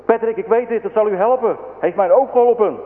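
A man voicing an earnest, eager little poor boy in a religious story, speaking high and urgent. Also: measured pace, narrow, tinny audio, close to an everyday voice. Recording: thin echoing radio broadcast.

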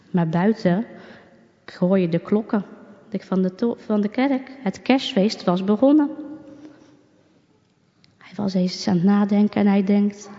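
A woman calmly reading a storybook aloud, unhurried, with small slips. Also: medium pitch. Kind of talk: storybook narration read aloud. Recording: dull recording with long reverb.

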